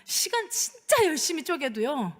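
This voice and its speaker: A woman's voice: high voice, big pitch swings, normal speed. A middle-aged woman pastor preaching a sermon in a chatty, storytelling way, often asking the congregation for agreement. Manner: conversational, asks the congregation for agreement, acts out dialogue. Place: church sanctuary. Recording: long church reverb.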